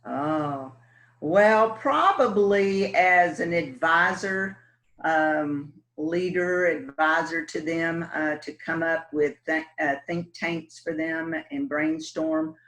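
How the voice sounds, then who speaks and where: Slow-talking West Texas woman. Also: sits low, fairly bright tone. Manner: folksy, unhurried, many ums and uhs. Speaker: city council candidate. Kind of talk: casual interview answers.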